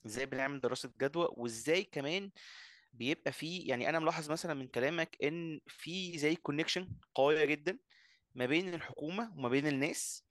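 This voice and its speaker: A man's voice: fairly high pitch, a bit bright, no room sound, clean studio sound. A man with an Egyptian Arabic accent hosting a podcast, asking long, winding questions. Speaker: podcast host. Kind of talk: interview questions.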